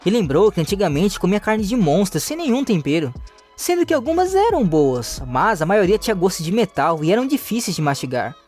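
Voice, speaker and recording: A man narrating a manga story recap in a lively storytelling manner. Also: fairly quick. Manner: lively storytelling with rising and falling pitch. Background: faint background music.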